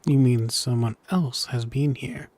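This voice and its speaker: Over video game music, a gamer jokes his way through play in an unhurried, medium-pitched, slightly mellow voice. He's a streamer with a playful, irreverent style and crude humour, occasionally reading in-game dialogue out loud.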